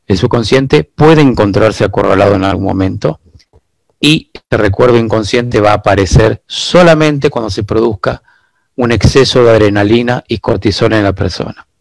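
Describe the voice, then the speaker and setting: Gravelly low-voiced man, measured explainer. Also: dry recording. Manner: measured, lecturing, with frequent rhetorical asides. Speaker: guest expert on biological decoding. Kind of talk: explanatory interview answers.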